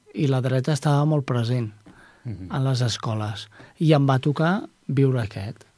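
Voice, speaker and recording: The man's voice has a dark, mellow tone and is somewhat breathy. He speaks at a fairly slow pace. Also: medium pitch for a man, ordinary pitch variation. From Barcelona area, Catalonia. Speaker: radio broadcaster and comedian. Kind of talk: radio interview.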